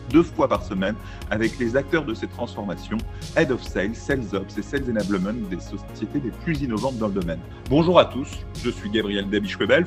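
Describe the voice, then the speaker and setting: A man hosting a podcast, opening with a scripted intro and then asking a guest questions in a relaxed way. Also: fairly low pitch. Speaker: podcast host.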